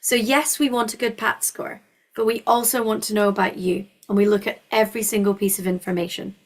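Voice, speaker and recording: A woman's voice: medium pitch, steady tone, a little fast. Scottish woman, webinar host. Informal, explanatory delivery, encouraging and reassuring, mid-range voice. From Scotland.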